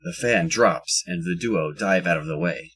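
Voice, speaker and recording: A man with a husky voice reading scripted audio drama narration, with wry asides. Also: low voice, a little slow, fairly bright tone.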